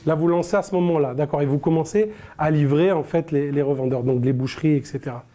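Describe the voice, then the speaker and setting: A man's voice: fairly high pitch, quick pace, warm tone. A man hosting a studio interview, speaking with many fillers and restarts. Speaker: interview host. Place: studio set.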